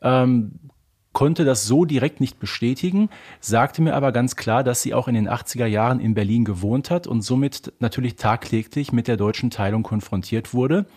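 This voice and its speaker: A man in his thirties co-hosting a podcast, telling and explaining things conversationally in a husky voice. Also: medium pitch, normal speed, darkish tone. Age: 30s. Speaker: podcast co-host.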